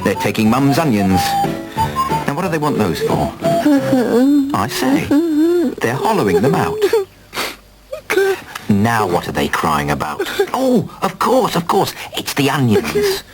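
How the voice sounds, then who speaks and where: A man's voice: medium pitch, wildly swooping pitch, slow pace, long pauses, poor audio. A British man narrating a children's cartoon in a playful, exclamatory way, talking directly to young viewers. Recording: music running behind the voice. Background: cartoon music.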